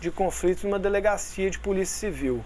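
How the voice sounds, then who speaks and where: A man's voice with audible room echo. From Minas Gerais, Brazil. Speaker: conflict mediator and course instructor. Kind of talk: online lecture with anecdote.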